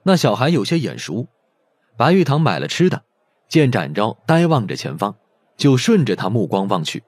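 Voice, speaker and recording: A man's voice: mid-range voice, sing-song, moderate pace, slightly rough, no echo. A man narrating a scripted detective story as an audiobook narrator.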